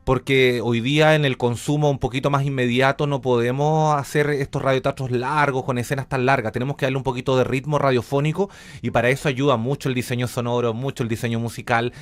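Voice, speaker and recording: A man's voice: medium pitch, fairly even intonation, quick pace, few pauses. A man with a Chilean accent speaking as a radio interview guest, explaining things in an informal, enthusiastic way. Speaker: interview guest, radio drama director and academic.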